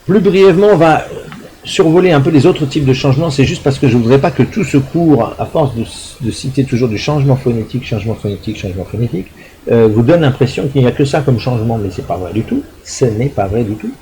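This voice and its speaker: A man's voice: mid-range voice, animated, fast, warm tone, slight background noise, poor audio. Hesitant man giving a lecture. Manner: hesitant, many fillers and restarts; explanatory, checks understanding with tag questions. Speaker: university lecturer. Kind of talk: recorded lecture.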